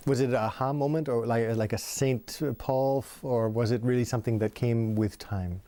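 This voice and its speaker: A man's voice: medium pitch, fairly even intonation, normal speed, mellow, dry recording. A man hosting an interview, asking earnest questions and prompting his guest. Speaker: interviewer, host.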